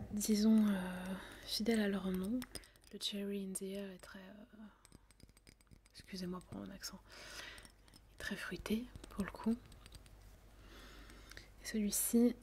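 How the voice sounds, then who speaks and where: A woman whispering softly as a perfume saleswoman in an ASMR roleplay, hesitating with many fillers. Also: mid-range voice, fairly even intonation, takes it slowly, pauses often, a little hiss or hum. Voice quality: soft whisper.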